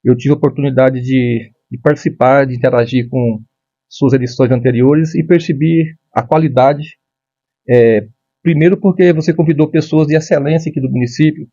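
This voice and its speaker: A man's voice: medium pitch, steady tone, dark tone, husky, no echo, dull audio. A man in his fifties from Brazil, a retired military police major, speaking formally and with frequent restarts as an interview guest. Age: 50s. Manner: measured, formal, with many restarts. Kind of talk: conversational interview.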